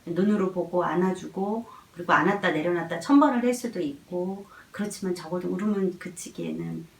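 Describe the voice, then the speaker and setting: A woman giving an earnest, gently reassuring talk on caring for babies. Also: fairly low pitch, fairly quick. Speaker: parenting educator. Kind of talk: explanatory parenting talk. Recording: echoey room, mic far off.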